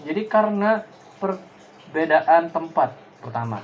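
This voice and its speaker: A man's voice: on the high side, lively intonation, unhurried, lo-fi sound. A man giving a loose, conversational lecture to his class, full of fillers and tag questions, over a faint background hiss. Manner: casual and digressive, many fillers and tag questions. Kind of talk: recorded class explanation.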